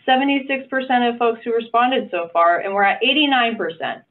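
Over phone-like video call audio, a woman with a fairly high voice speaks briskly as she facilitates an online stakeholder meeting. She's upbeat and encouraging and adds playful asides.

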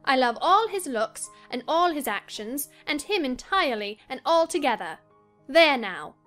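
A headstrong young lady from a classic novel. Her voice is high and emphatic, with a petulant, impetuous edge. Faint music plays behind her. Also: very animated, normal speed, a bit bright. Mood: ardent, indignant. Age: young adult. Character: impetuous, peevish young lady confiding a secret. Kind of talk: dramatised classic novel reading.

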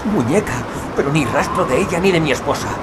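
Male actor as frantic father in audio drama, higher-pitched, desperate, over loud storm noise. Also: animated, quick pace, lightly acted. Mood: frantic urgency. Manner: desperate, shouting and pleading. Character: frantic husband and father searching a snowstorm for his family. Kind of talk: Spanish-language audio drama acting. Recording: loud wind and outdoor ambience behind.

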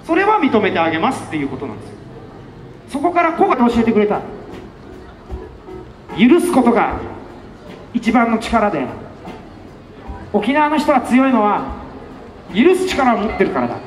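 A man giving an impassioned street campaign speech outside a station, rhetorical and fiery, often breaking into shouts. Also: very high voice, huge pitch swings, moderate pace, pauses often, a little hiss or hum. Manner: fiery, rhetorical, with repeated questions and bursts of shouting. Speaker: election campaign speaker. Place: outdoors in front of a busy station. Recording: echoey outdoor PA sound with faint music.

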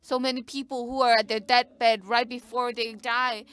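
Woman, fairly high voice, live sermon interpreter, halting phrases, restarts. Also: level tone, a bit bright, clear, resonant tone. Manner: short bursts with frequent restarts.

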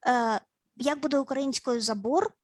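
A woman psychologist leading grounding exercises in an online session, speaking in a slow, instructive way with repeated words and playful sounds. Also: high-pitched, no echo. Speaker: family and child psychologist. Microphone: video call.

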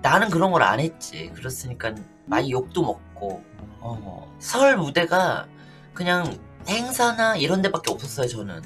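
Animated middle-aged man over loud music. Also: a little high, moderate pace. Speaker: livestream co-host and drag show performer. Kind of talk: casual chat and storytelling.

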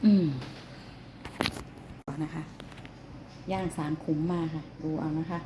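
A woman's voice: deep voice, fairly even intonation, takes it slowly, noisy background. A woman filming her cats at home, chatting to them fondly and scolding them like children. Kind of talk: casual vlog narration. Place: home indoors.

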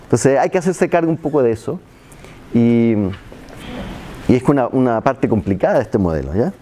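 Addressing seated students in a seminar room with a projector, a middle-aged Chilean man lectures conversationally at a normal speed, his mid-range voice dark in tone and lively in intonation. Nearly every point ends with "¿ya?", and he adds self-mocking asides. He uses a handheld mic, a distant camera records, and there's slight background noise.

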